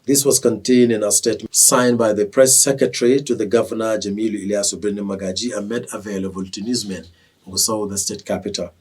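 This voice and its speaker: A man with a Nigerian accent reads scripted television news as an anchor in a formal, measured way. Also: fairly low pitch, fairly even intonation, darkish tone, breathy edge, recorded from a distance.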